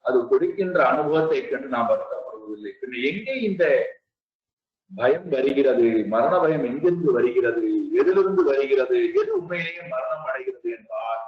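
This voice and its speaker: A man giving a spiritual discourse, speaking slowly and deliberately and repeating his rhetorical questions. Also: medium pitch, wildly swooping pitch. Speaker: spiritual teacher. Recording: echoey, distant, dull lo-fi sound.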